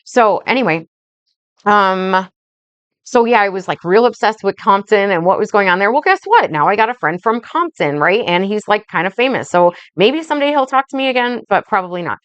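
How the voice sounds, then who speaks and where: A woman life coach rambling through a casual vlog monologue, slow and blunt, swearing freely and checking in with "right?" and "okay?". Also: medium pitch, smooth, no room sound, dull audio. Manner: speaks slowly.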